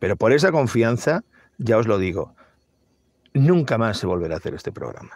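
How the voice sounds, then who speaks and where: This man talks at a moderate pace and a medium pitch, with very wide pitch swings and long, frequent pauses. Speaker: YouTube show host. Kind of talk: monologue to viewers. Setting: in a parked car. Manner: halting.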